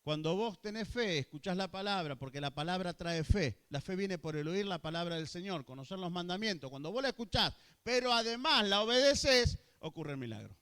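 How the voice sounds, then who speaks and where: A male pastor with an Argentine Spanish accent preaching a sermon to his congregation, asking them questions and building to loud, emphatic high peaks. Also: expressive, a little fast, hardly any pauses, clear, resonant tone. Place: church hall.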